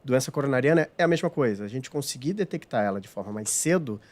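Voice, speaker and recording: A man's voice: mid-range voice, animated, fast talker, darkish tone. A man cardiologist with a Brazilian Portuguese accent speaking hesitantly, with many fillers, in a podcast studio. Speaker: cardiologist guest.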